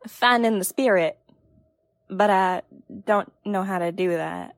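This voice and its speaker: A woman's voice: mid-range voice, slow, dry recording. Hesitant young-heroine type, a woman acting, dry sound. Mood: urgent, thinking. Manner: hesitant, explanatory. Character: improvising woman leader, thinking aloud under pressure.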